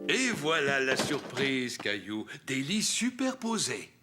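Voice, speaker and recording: A man's voice: medium pitch, huge pitch swings, slow. A man voicing a cheerful, kindly grandfather in a French children's cartoon. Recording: loud music bed behind the voice.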